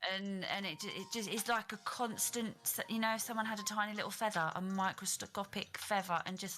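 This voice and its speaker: A woman with an Estuary accent talks at a fairly quick pace in a fairly high voice, with noticeable background noise. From southern England, Kent (Dover). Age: 30s. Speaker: streamer. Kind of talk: casual chat.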